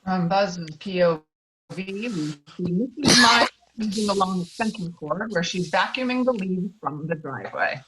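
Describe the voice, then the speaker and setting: A woman's voice: fairly low pitch, expressive, moderate pace, fairly bright tone, slight background noise, low-quality recording. A woman reading screenplay stage directions aloud as narrator of a table read.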